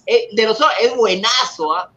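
A man's voice: high-pitched, normal speed, muffled recording, a crowd in the background. A man chatting eagerly on a podcast, repeating himself and stumbling over his words. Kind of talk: casual chat.

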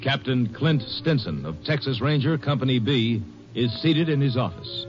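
A man's voice: medium pitch, expressive, moderate pace. Muffled American male narrator, old radio. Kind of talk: 1950s radio drama narration. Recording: muffled old radio recording, faint music.

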